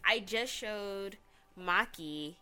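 A woman's voice: mid-range voice, drawn-out words, clean tone. A woman chatting enthusiastically as a guest on a casual podcast. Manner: enthusiastic, lively, laughs often. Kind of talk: casual chat.

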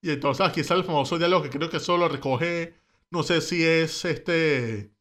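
Venezuelan guy chatting on a podcast, pretty high-pitched, loose slangy retelling. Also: moderate pace. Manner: slangy, animated retelling of history. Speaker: podcast co-host. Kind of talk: casual storytelling chat.

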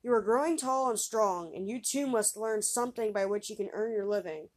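A woman's voice: medium pitch, brisk, a little mellow, close to an everyday voice. A woman doing a weary scolding old father. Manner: sighing, scolding.

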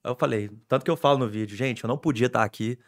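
A young adult man, a sports reporter telling stories in an excitable, animated way on a casual podcast. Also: medium pitch, rapid-fire.

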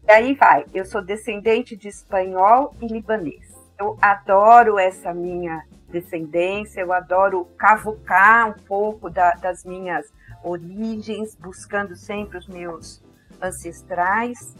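An older woman with a caipira accent from interior São Paulo speaks reflectively about herself in conversation, pausing thoughtfully to search for her words. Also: medium pitch, fairly even intonation, fairly bright tone, faint music behind, poor audio. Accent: caipira accent of interior São Paulo, with a strong R. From interior of São Paulo state, Brazil. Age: 50s or older. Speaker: interview guest.

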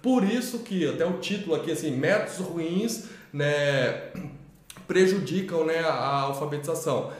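A man co-hosting a talk on teaching children to read, rambling with many restarts and tag questions. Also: a little high. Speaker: co-host of a literacy channel. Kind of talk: casual explanatory talk. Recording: echoey room.

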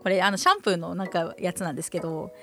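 A woman hosting a podcast in casual chat, chatty and quick to laugh, with lots of back-channel replies. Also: lowish voice, fairly even intonation, bright, forceful tone, faint music behind. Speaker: podcast host.

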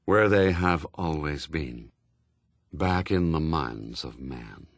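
A man voicing a solemn dark angel of death, slow and grave in a storybook reading. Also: very deep voice, expressive, no echo, voice pushed down, heavily acted. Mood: solemn, implacable. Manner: slow, grave, portentous delivery.

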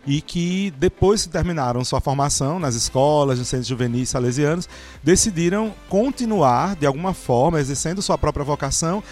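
A man, a priest, hosting a podcast in a relaxed way and explaining at length with many small fillers. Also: fairly high pitch, brisk, soft background music.

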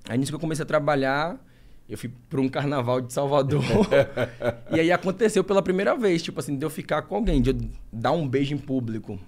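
A young man from Brazil talks rapidly as an interview guest. His voice sits a little high, and he breaks off, restarts and pushes on through an emotional personal account. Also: a little mellow. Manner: emotional, halting, many restarts and fillers.

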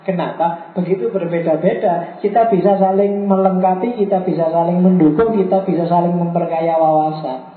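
A man's voice: high-pitched, steady tone, normal speed. A man giving a lecture. He poses his own questions, answers them, and drops English phrases into his talk. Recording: tinny, phone-like and echoey.

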